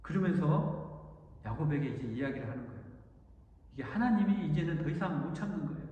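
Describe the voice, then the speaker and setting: A male junior pastor preaches a sermon in a church sanctuary, retelling the story with vivid storytelling. His voice is high and rings with a long hall reverb. The recording is distant and somewhat dull. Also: a little fast. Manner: storytelling, animated retelling with acted quotes.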